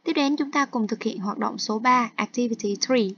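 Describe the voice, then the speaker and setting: A woman's voice: a little high, normal speed, fairly bright tone, breathy edge, dry recording. Woman teacher walking students through exercises. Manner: explains each task step by step, switching between Vietnamese and English terms. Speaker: English teacher. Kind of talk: online textbook lesson walkthrough. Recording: dull, dry lo-fi recording.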